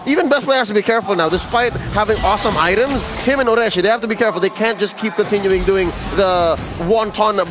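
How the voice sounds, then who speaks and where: A man's voice: sits high, fast, few pauses, background noise. A man giving live esports colour commentary in a conversational way, with wry turns of phrase. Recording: game music behind the voice. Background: game music.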